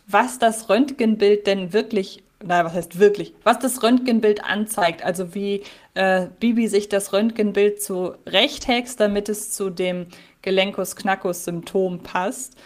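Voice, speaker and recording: A woman co-hosting a podcast about a radio play, talking things through in an analytical, wordy way and often rephrasing herself. Her voice sits at an ordinary pitch. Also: unhurried. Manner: analytical, wordy, self-correcting. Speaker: podcast co-host.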